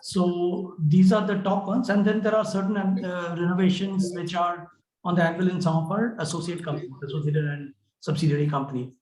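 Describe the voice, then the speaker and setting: A man with an Indian accent answering questions as a company executive on an earnings call, explaining in a measured, hesitant way. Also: sits high, little pitch movement, darkish tone. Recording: roomy, echoing conference call.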